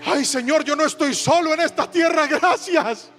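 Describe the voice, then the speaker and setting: A man in his thirties, a pastor preaching with passion and then softening into a quiet personal story. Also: very high-pitched, moderate pace. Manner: impassioned preaching, dropping to soft storytelling. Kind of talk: sermon. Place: large church hall. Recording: reverberant hall with soft music.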